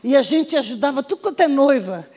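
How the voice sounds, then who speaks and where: A Brazilian woman missionary telling her testimony to a congregation in a lively storytelling manner, acting out the voices of the people in her story. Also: sits high, quick pace. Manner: animated storytelling with acted quotes. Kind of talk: testimony sermon. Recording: reverberant hall.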